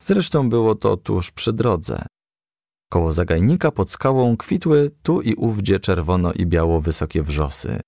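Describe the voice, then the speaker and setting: A man narrating a children's storybook with expressive, animated delivery. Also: low-pitched, a little slow, creaky, dry recording, studio quality. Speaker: audiobook narrator.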